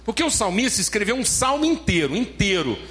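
High-voiced Brazilian pastor preaching emphatically. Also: male voice, very animated, fairly quick, a bit bright. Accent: Brazilian Portuguese. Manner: emphatic, repeats phrases, addresses listeners as beloved. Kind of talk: preaching a sermon.

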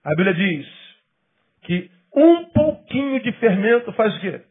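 Husky-voiced preacher on a tinny recording. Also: male voice, very animated. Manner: emphatic preaching with sudden drops to quiet, low asides; acts out quoted people in quick bursts. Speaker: pastor. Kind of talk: sermon.

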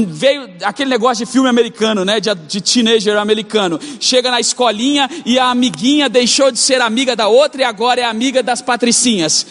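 A man's voice: very high-pitched, a bit bright. A young Brazilian man preaching a sermon as pastor, with a fervent, repetitive cadence and a mixed regional Brazilian accent. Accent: Brazilian Portuguese, mixed regional. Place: church auditorium. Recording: long hall reverb.

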